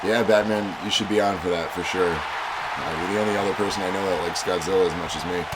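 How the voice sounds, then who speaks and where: Male stream host with a lowish, stuffy cold voice, chatty commentary over loud crowd noise. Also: fast talker. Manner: chatty, reads donations and chat aloud. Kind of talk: casual stream chat with match commentary. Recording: loud music and crowd behind. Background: loud game music and crowd noise.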